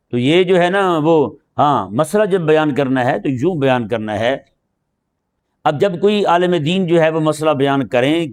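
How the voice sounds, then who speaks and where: Man preaching with a slightly high voice. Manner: conversational preaching, asks listeners if they understood; acts out dialogues in anecdotes. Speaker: mufti preacher. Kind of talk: sermon lecture.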